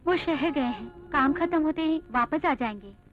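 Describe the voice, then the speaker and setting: An actress playing a calm, wise sister-in-law in a dubbed film, earnest and persuasive. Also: female voice, sits high, normal speed. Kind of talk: Hindi film dub. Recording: tinny dubbed audio with faint music.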